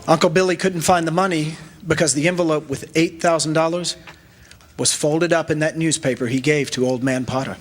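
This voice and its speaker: Man as a grave, higher-voiced heavenly storyteller. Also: fairly even intonation, a little fast, lightly acted. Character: grave, sympathetic heavenly male narrator. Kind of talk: 1940s radio play narration. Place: live staged reading in a television studio. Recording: faint music behind the voice.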